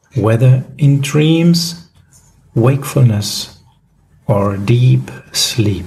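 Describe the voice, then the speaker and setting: Speaking very slowly with long, frequent pauses, a man with a German accent has a dark, mellow, somewhat breathy tone and lively intonation. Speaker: spiritual teacher leading scripture study. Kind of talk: scripture reading and commentary. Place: home room.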